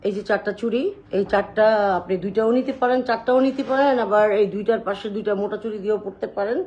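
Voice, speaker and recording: A woman hosting a live sales stream, showing jewelry and talking loudly and chattily to her viewers. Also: medium pitch, fast, dull audio. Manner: loud, chatty, addresses viewers directly.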